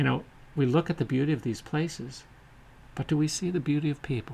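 This is a man talking with ordinary pitch variation. There is a somewhat breathy quality to his voice. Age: 60s. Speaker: podcast host, former therapist. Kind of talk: reflective monologue. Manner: halting, many fillers.

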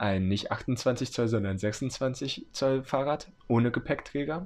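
With a medium pitch and ordinary pitch variation, a man is talking. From eastern Germany, Magdeburg. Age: 20s. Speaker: student, cycling traveller. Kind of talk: casual interview.

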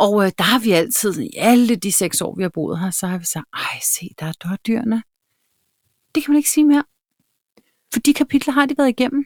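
A somewhat breathy woman with a fairly high voice talks at a moderate pace, her pitch swinging very widely, with long, frequent pauses in a dry, close sound with no echo. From Denmark, Copenhagen area (Dragør). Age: 40s. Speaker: podcast co-host. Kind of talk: casual chat.

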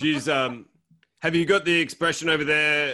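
The speaker has an Australian accent and a bright, sharp tone. Intonation is fairly even and the pace is moderate. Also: man. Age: 30s. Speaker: podcast guest. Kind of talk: casual chat. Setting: video call.

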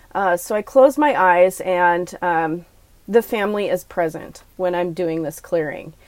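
Someone with an American accent talks in a plain, everyday voice at a fairly slow pace with ordinary pitch variation. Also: woman, medium pitch for a woman. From North Dakota, US. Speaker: dowser and medium. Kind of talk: ghost story telling. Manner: warm, earnest.

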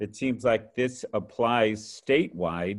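The background stays quiet. Words come out very slowly. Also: man. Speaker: nonprofit host. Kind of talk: webinar introduction and closing. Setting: online webinar.

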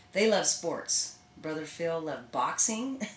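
Speaking fairly slowly in a fairly low voice, a woman uses lively intonation over noticeable background noise. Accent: American. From Oklahoma. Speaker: athlete and coach. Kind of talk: interview.

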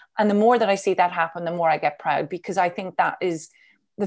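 A woman talks at a very fast pace in an Irish accent, her pitch fairly low and her intonation fairly even. The recording is very clean, with a silent background. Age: 50s. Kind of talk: interview.

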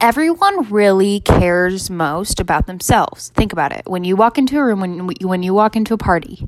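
The voice is an ordinary speaking voice with an American accent. It moves at a fairly quick pace. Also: woman. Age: 20s. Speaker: podcast host. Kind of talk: casual solo monologue. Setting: basement room.

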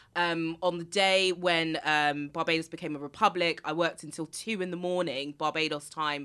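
A woman speaks in a bright, sharp tone with a British accent, her pitch fairly low and her intonation fairly even. She hardly pauses, and the recording is very clean with a silent background. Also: moderate pace. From UK. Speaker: TV news journalist and presenter. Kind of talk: casual interview. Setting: podcast recording.

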